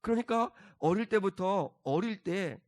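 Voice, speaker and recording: Man, middle-aged, pastor, sermon, emphatic peaks, slow repeated phrases, slightly high voice. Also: expressive.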